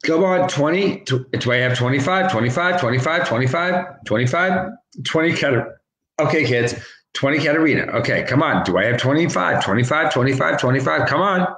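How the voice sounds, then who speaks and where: A man's voice: medium pitch, animated, a bit bright. Chatty man calling bids in a roomy echo. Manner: chatty, rapid repetitive bid calling. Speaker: co-host, charity auction caller. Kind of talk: casual livestream chat and auction calling. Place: home room. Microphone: webcam on a video call.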